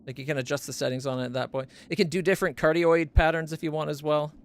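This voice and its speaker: A man with a fairly high voice for a guy, admitting it isn't naturally deep. He chats loosely from his home stream setup, circling back and correcting himself as he goes, close on a studio mic. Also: fairly even intonation, quick pace. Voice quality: not very deep voice. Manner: rambling, self-correcting, stumbles over names. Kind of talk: casual chat about gear on a game stream. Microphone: studio condenser mic up close.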